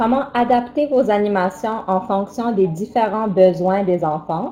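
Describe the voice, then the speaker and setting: A woman's medium-pitched voice moves very slowly, with ordinary pitch variation. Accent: Acadian. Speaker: yoga instructor trainer. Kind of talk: webinar presentation. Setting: online webinar.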